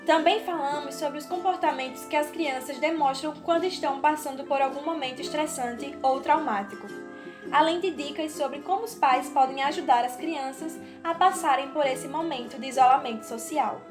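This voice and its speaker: Brazilian woman co-host, very high voice. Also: moderate pace. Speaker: podcast co-presenter. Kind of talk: scripted narration. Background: background music.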